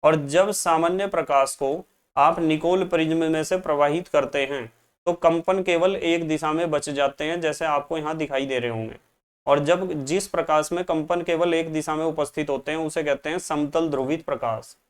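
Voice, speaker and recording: Guy teaching chemistry, slow and patient, says everything twice, clean smooth voice. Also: on the high side. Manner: patient, repeats key terms. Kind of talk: classroom lecture.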